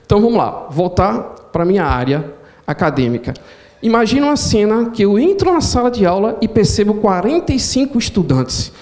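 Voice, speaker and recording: Professor pernambucano animado. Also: male voice, sits high, fairly quick. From Pernambuco, Brazil. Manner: animated, theatrical storyteller. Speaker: professor and speaker. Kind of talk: storytelling lecture.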